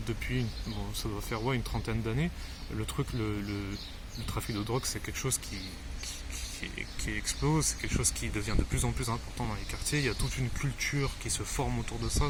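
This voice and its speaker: A man's voice: lowish voice, noisy background. A man giving unscripted commentary, hesitant, with many fillers and repeated words. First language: not Arabic.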